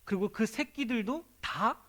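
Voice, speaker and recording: A man's voice: high-pitched, measured pace, a bit bright. A man preaching a sermon as pastor at a young adults' worship service, telling a story and asking his listeners many rhetorical questions.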